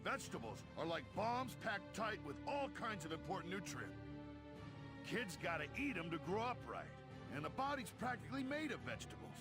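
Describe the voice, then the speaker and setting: An actor playing a gruff, hot-tempered soldier in a video game, blustering and emphatic about his passion. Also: high voice, very animated, a little fast. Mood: indignant. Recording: loud game music behind. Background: game music.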